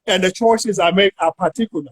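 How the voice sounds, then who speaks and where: A South African man who is a university academic talks through an academic discussion in a measured way, drawing out words as he thinks. His voice is high-pitched, with no room sound.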